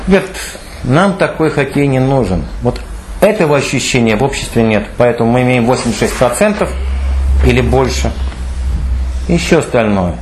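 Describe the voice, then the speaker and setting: A middle-aged man speaks off the cuff to a gathering, his pitch sitting in an ordinary middle range. He hammers his points with repetition and rises in pitch as he presses them. Faint noise hums behind him. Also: lively intonation, normal speed, darkish tone, poor audio. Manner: emphatic, repeats phrases, pitch climbs when urging. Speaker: speaker at a political meeting. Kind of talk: impromptu public speech.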